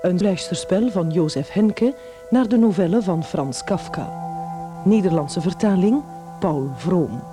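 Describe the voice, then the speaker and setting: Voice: medium pitch, animated, measured pace. An announcer reading scripted credits for a broadcast radio play. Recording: music behind the voice.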